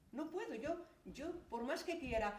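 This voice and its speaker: A woman is speaking. Room echo is audible. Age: 60s. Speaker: descendant of war victims giving testimony. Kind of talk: testimony. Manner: halting.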